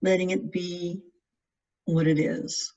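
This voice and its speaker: A meditation guide giving gentle, measured instructions in spaced-out phrases. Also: medium pitch, flat delivery. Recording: distant mic, dull lo-fi sound.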